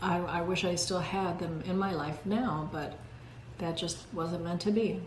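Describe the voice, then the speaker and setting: A woman speaks slowly-ish, at a fairly slow pace, with a fairly low pitch and fairly even intonation. Room echo is audible and background noise is noticeable. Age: 70s. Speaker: vlogger. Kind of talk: casual chat. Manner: halting.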